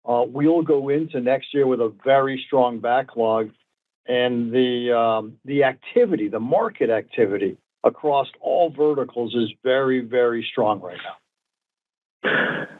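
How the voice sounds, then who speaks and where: A man's voice: mid-range voice, a little slow. A man, a company executive, answering analysts on an earnings call in a confident, emphatic way, repeating points for emphasis. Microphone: phone conference call. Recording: tinny narrowband phone conference line.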